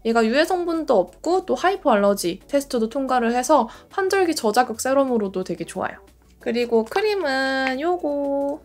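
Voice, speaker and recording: A woman in her late twenties with a slightly high voice, talking through her skincare routine in easy, gushing chatter. She sits close to the camera in a small room, and soft music plays faintly under her voice. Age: late 20s. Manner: chatty, gushing about products. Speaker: beauty creator. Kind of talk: casual skincare vlog talk. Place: bedroom in front of a door.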